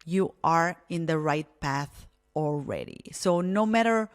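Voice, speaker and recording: A woman's voice: low voice, lively intonation, unhurried. Earnest woman host, Spanish native speaker. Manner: earnest, encouraging, with frequent restarts. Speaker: podcast host. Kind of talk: solo podcast monologue.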